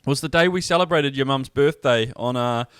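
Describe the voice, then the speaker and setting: A man's voice: mid-range voice, moderate pace, a bit bright, clear, resonant tone, no echo, clean studio sound. A man in his thirties with a New Zealand accent, hosting a podcast with sweary, joking, laid-back banter and casual storytelling. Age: 30s. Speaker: podcast host.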